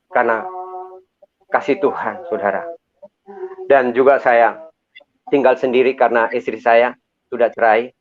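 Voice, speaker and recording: A middle-aged man from Makassar giving an earnest, preacherly church testimony, often calling out to his listeners. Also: mid-range voice. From Makassar, Indonesia. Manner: earnest, preacherly, repeatedly addresses listeners as brothers. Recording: tinny phone-like sound.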